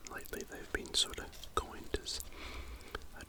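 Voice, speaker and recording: Noticeable background noise is present. Over it, a man whispers. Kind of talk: ASMR eating and whispering video. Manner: whispered; relaxed, hesitant, conversational.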